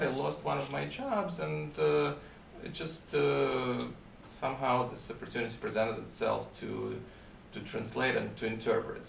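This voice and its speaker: Russian-accented guy on a panel, lots of uh's, gravelly voice, echoey room far from the mic. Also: medium pitch, a bit bright, slight background noise. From Ukraine. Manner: halting, many fillers. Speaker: court interpreter and translator. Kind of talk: panel talk. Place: university seminar room. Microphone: far camera.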